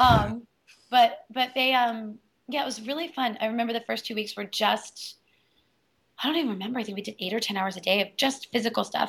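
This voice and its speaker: With an American accent and a touch of vocal fry, a woman talks at a fairly quick pace. Her pitch is fairly high and varies in an ordinary way. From Virginia, US. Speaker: actress and dancer. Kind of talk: casual chat. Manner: animated.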